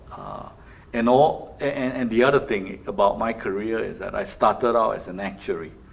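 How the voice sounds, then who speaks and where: Speaking at a moderate pace with a non-native accent, a man keeps a medium pitch and ordinary pitch variation while his loudness swings widely. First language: not English. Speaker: insurance executive. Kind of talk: interview. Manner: halting, many fillers.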